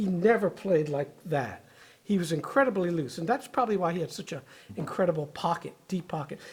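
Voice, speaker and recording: A man's high-pitched voice with lively intonation. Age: 60s. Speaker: drum teacher. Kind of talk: tutorial. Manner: casual, conversational.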